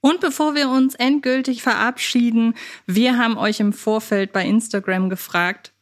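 A woman's voice: a little high, steady tone, moderate pace. A woman co-hosting a podcast, chatting casually and addressing listeners. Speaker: podcast co-host. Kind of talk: casual chat and listener thanks.

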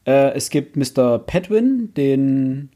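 Mellow, blunt man chatting about books. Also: mid-range voice, very animated, slow. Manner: colloquial, blunt, mildly crude. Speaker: podcast co-host. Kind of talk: casual book discussion.

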